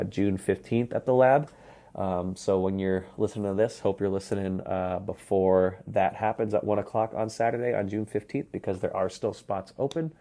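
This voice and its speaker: A young man talks through his hockey podcast in a deep, even voice that barely rises or falls. His tone is dark and mellow. He rambles casually and fills pauses with ums and you knows. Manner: relaxed, rambling, many fillers. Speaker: hockey coach and podcast host. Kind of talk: casual solo podcast talk.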